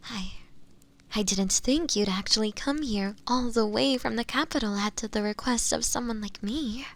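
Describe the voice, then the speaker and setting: A woman voicing a meek, pleading witch in an audio roleplay speaks directly to the listener, apologetic and awed, feigning frail innocence in a fantasy drama. Her mid-range voice is fairly bright, and her deferential, formal, old-fashioned lines come haltingly, often breathy and close to whispering.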